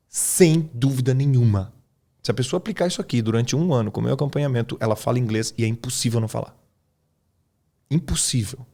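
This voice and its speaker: A man's voice: mid-range voice, a little mellow. A man from Brazil, an English teacher on a podcast, explaining his method in an informal way and often checking that the listener follows. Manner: informal, keeps checking in with "tá?" and "cara". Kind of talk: casual explanatory podcast talk.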